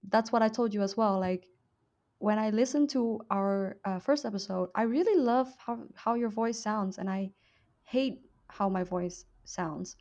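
A woman's voice: medium pitch, measured pace, a little mellow, highs cut off. A woman with a Vietnamese accent, chatting with her co-host on a podcast and laughing easily. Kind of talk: casual chat.

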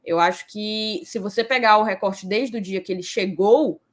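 A woman's voice: medium pitch, normal speed. A woman co-hosting a live sports stream, chatty and playful, reading viewer comments aloud. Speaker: podcast co-host. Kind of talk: casual live-stream chat.

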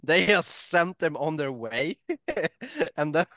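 Give me a slow, giggly man on a podcast. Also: fairly high pitch, very animated, bright, forceful tone, dry recording, clean studio sound. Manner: joking, giggly. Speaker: podcast guest. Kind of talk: casual podcast chat.

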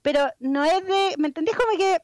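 A young woman with a Chilean accent and a high, bright-pitched voice tells stories in a casual chat. She is expressive and slangy, and she acts out what others said. The sound is dry and close to the mic. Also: brisk, no room sound. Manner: expressive, slangy storyteller who acts out quotes.

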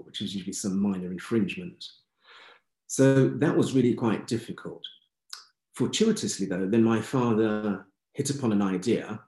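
A well-spoken English man in his sixties, his voice sitting on the low side. He tells his own story plainly and candidly at a measured pace. The sound carries noticeable room echo. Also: dark tone. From England. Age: 60s. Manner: measured, candid, matter-of-fact. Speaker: interview guest. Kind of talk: reflective life-story telling.

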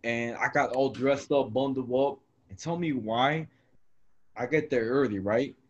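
A man chatting casually in a laid-back, slangy way, dropping "bro" and "you know what I'm saying" as he tells stories. His voice sits at an ordinary middle pitch. The recording is a little dull and lo-fi. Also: a little slow. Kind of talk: casual chat and storytelling. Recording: lo-fi, slightly dull sound.

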